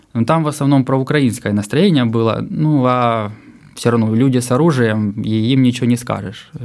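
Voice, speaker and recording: Holding a very even loudness, a man talks at a medium pitch and moderate pace with ordinary pitch variation. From eastern Ukraine, Luhansk region. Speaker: neurologist. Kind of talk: interview. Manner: halting.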